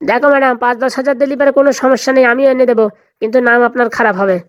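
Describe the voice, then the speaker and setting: Put-on voice of a cartoon hired goon, rather high-pitched, very quick, swaggering, greedy, boastful, wheedling. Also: steady tone, clean tone, dull audio, natural voice. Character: boastful, greedy, hard-drinking hired thug. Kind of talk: comedy cartoon dialogue.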